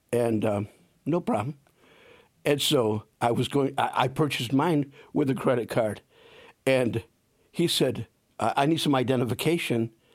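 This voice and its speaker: In a very clean recording with a silent background, a man at medium pitch speaks at a moderate pace with long, frequent pauses, ordinary pitch variation and very even loudness. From Saginaw, Michigan. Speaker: pastor. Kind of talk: casual chat. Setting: studio.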